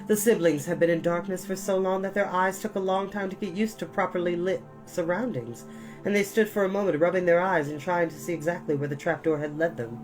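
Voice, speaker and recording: A woman narrates a children's novel in a low voice. Her delivery is expressive, deliberate and a little theatrical, as a storyteller's is. Music is clearly audible beneath the reading. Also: rough recording.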